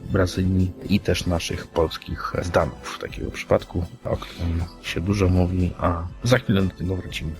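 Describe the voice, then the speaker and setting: Male podcast host, deep voice, hesitant phrasing, music bed underneath. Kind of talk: podcast talk on paranormal news. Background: music playing under the voice.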